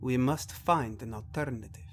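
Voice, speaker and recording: A man voicing a calm, wise alien mentor in an audio drama, speaking gently, formally and deliberately. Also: medium pitch, faint music behind, natural voice. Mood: gently firm.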